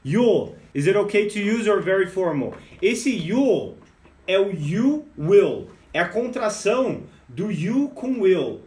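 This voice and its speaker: A Brazilian man with a Brazilian Portuguese accent, teaching an English lesson on a live stream. He talks in a lively way and keeps calling his viewers "guys". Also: high voice, takes it slowly, far from the mic. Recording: echoey room, voice a bit off-mic.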